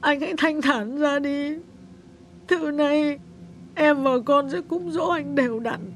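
A man's voice: very high voice, animated, normal speed, slight background noise, pitched above the performer's own voice. A man voicing a grieving young woman who speaks through tears, in an audiobook story. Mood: sobbing. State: sobbing. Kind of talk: audiobook character voice.

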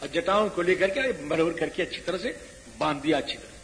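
A man giving a sermon on the Ramayana, telling the story with animation and chanting verses slowly. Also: fairly high pitch, expressive, fairly bright tone, a little hiss or hum. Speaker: preacher. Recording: long hall reverb.

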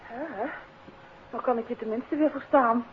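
An actress playing a detective's curious, teasing wife in a 1950s Dutch radio play, with a Netherlands accent. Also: female voice, fairly high pitch, measured pace, lightly acted. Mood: wry, teasing. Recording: tinny, noisy 1950s radio recording.

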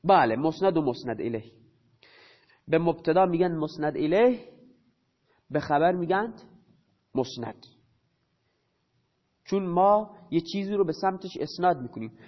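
High-voiced man teaching a grammar lesson. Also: animated. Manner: poses questions and answers them himself; repeats key terms slowly. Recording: dull lo-fi recording.

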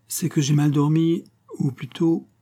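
A passionate young gypsy woman, jealous and quick to flare, her voice lifted high, as a male reader puts her on. The tone stays dark and mellow, with a husky edge under it. Heard as a storybook character in an audiobook. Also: little pitch movement. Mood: weary, unsettled.

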